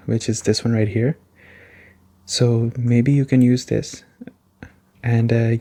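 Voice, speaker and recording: Soft-spoken man with a dark, mellow voice. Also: medium pitch. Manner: soft-spoken, gentle and unhurried. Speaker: gaming reviewer and video host. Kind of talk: soft-spoken ASMR game chat, unscripted review.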